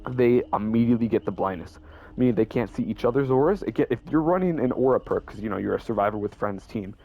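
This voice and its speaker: A man's voice: medium pitch, fast talker, lo-fi sound, soft background music. A young man casually explaining his game builds as a YouTuber, rambling and correcting himself as he goes. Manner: rambling, self-correcting, stutters. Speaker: gaming YouTuber.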